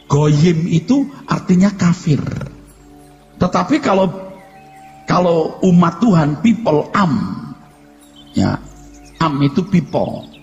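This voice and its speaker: A man preaching a sermon as a pastor, animated and scolding. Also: on the high side. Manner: animated, exclaiming and scolding, mixing in English words. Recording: dull sound with long hall reverb.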